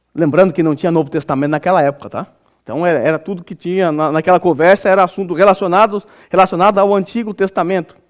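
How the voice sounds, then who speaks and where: Very fast speech comes from a man with a high pitch and fairly even intonation, recorded in a dry, close sound with no echo. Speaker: pastor. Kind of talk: sermon.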